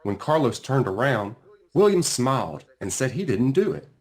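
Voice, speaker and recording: A man reading his own children's book aloud in an expressive storytelling style, with dramatic pauses and drawn-out phrases. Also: medium pitch. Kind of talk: animated children's read-aloud narration.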